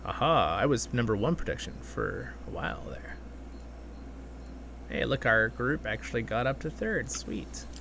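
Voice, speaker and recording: A man hosting a gaming video with casual, excitable commentary, talking half to himself and half to his viewers. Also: mid-range voice, unhurried, vocal fry, a little hiss or hum. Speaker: gaming channel host. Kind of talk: casual gameplay commentary, with expressive story reading.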